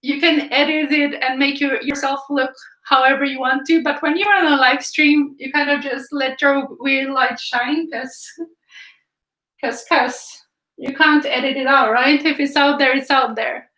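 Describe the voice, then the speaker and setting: A woman's voice: high-pitched, fairly even intonation, a little slow, pushed and bright, echoey room, poor audio. A young woman from Finland with a Finland Swedish accent, chatting casually on a live stream while painting and reading viewer comments aloud. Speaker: art livestream host. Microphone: camera filming from above.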